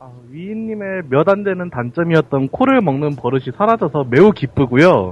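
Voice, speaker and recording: Big swings in loudness and very wide pitch swings at a moderate pace, with hardly any pauses. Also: man, fairly high pitch for a man. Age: 20s. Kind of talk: casual chat.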